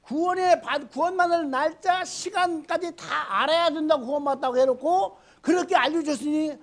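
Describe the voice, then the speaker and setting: A middle-aged male pastor preaches a sermon in a colloquial style at a moderate pace. He moves between loud outbursts and low mutters and asks the congregation rhetorical questions.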